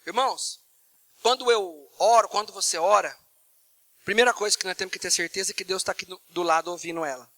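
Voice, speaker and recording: A male pastor with a Brazilian Portuguese accent, preaching a sermon into a microphone in an animated way and acting out prayers in changing tones. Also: high voice, fairly quick, no room sound. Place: church.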